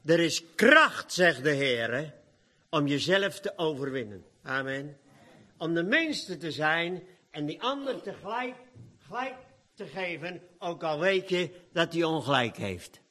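A man preaching a lively sermon, acting out the quoted dialogue of the gospel scenes and often laughing. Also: a little high, measured pace.

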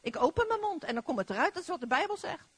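High, animated woman preaching. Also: fast talker, no echo. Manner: animated, exclamatory, repetitive phrasing. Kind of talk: lively charismatic sermon.

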